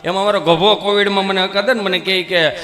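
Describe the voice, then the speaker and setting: A high-voiced, fast-talking man tells folk comedy stories to a live audience through a stage microphone in a large hall. His manner is lively and conversational, and he speaks directly to the crowd in this stand-up folk comedy storytelling.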